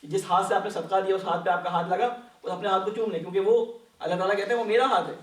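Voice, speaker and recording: A man's voice: high voice, steady tone, distant mic. A man teaching a Quran lesson, patiently explaining and asking his listeners questions. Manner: patient, asks the class questions and answers them. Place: mosque hall. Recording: echoey hall, voice from off-mic.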